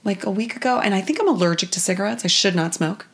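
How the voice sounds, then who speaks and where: Woman guest in casual chat, slightly raspy and gravelly, talks in thoughtful, filler-laden runs. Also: medium pitch, fast talker. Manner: chatty, reflective, many fillers. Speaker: guest, actress. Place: kitchen.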